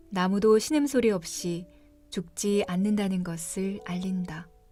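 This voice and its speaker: With music in the background, a woman speaks very slowly at a medium pitch. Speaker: book reader. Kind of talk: literary prose reading. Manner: slow, lyrical.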